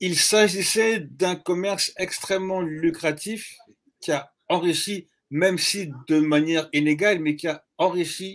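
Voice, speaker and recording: Against a quiet background, a man speaks very slowly. His pitch varies in an ordinary way. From France (Paris region), born in Congo. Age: 50s. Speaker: novelist. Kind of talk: panel discussion. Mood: thoughtful, engaged.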